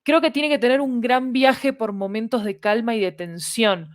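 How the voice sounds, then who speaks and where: A woman's voice: fairly high pitch, steady tone, normal speed, no echo, clean studio sound. A woman, speaking as an interview guest and explaining ideas articulately, point by point. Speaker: interview guest, audio fiction creator.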